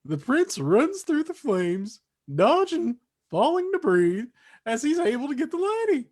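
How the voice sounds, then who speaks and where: Lively high-voiced woman narrator. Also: measured pace. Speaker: stage-direction narrator. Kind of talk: scripted narration at a staged reading.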